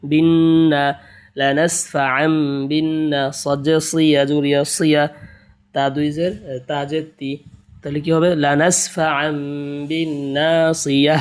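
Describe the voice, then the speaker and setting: Male Quran tutor, slow drilled letter chants, narrow melody. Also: a little high. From Bangladesh. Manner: slow sing-song spelling chants, then quick spoken explanations. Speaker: Quran teacher. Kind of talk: spelling out Arabic letters and vowel marks for beginners.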